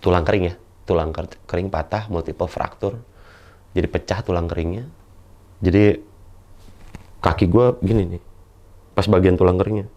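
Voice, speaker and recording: A young man, performing a stand-up storytelling monologue. He acts out the other people in his story with sudden high-pitched shouts. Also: steady tone, normal speed, pauses often. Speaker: stand-up comedian.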